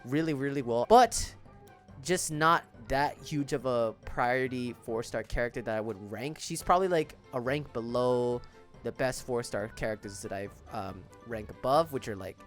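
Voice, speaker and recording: A man's voice: medium pitch, moderate pace. A man giving casual, informal commentary on a video game as a content creator, often stressing his words. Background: background music.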